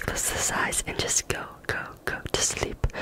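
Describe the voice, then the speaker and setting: The voice is whispering. Its tone is soothing. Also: woman. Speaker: ASMR creator. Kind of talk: whispered ASMR sleep video. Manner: whispered, soothing, repetitive. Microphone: studio mic.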